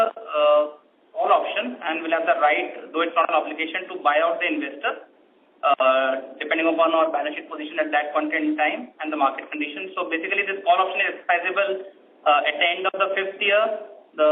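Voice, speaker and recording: A man, a finance executive giving a careful, halting technical explanation on a call. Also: a little high. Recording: tinny phone line with faint noise.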